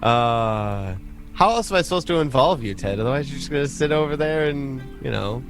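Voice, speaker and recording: A man running a tabletop game as game master, narrating casually with halting, joking delivery. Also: mid-range voice, lively intonation, over music.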